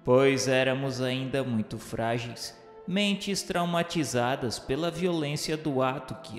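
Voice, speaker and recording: In a long, echoing reverb with music behind, a man voices a solemn male memoirist of the afterlife. His delivery is reverent and grandly oratorical, in the literary manner of a radio novel. The voice sits at a medium pitch. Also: close to an everyday voice. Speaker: narrator of a spiritist radio novel. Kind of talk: dramatic scripted literary narration. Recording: very reverberant hall sound with music.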